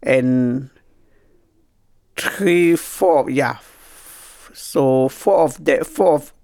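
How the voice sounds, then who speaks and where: A middle-aged woman from Cameroon, a native French speaker with a Cameroonian French accent, telling her life story haltingly, searching for words. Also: very deep voice, creaky, dark tone, no room sound, clean studio sound. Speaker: guest.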